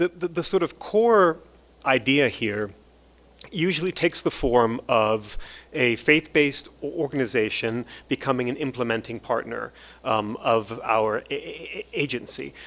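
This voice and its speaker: Lively intonation marks a man's a normal speaking voice. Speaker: international development agency adviser on faith engagement. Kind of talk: panel presentation. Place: hall.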